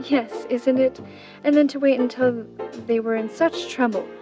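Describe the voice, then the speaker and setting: A woman as a high-voiced society lady. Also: steady tone, measured pace, music in the background. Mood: gracious charm. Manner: polite, gracious, artful. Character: charming, poised society lady, slyly flirtatious. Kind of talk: 1930s radio drama acting.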